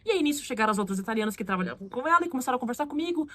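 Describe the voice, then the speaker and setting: A Brazilian woman with a Brazilian Portuguese accent telling a story in a casual vlog, animated and acting out what others said. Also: fairly high pitch, racing. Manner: animated, acts out quoted voices. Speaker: vlogger.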